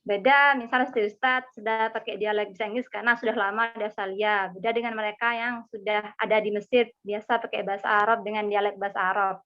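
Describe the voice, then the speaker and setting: A woman's voice: medium pitch, steady tone, fast talker, hardly any pauses, highs cut off. A young woman with a Madurese accent, a student politely asking a rambling, hesitant question in an online class.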